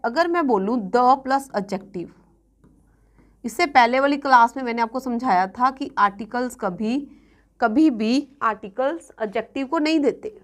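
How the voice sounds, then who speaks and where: Brief: woman exam-coaching teacher, somewhat high voice, patient repeated examples. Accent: Punjabi-influenced Hindi-English. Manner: checks in often with students, repeating examples slowly. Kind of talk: classroom grammar lesson.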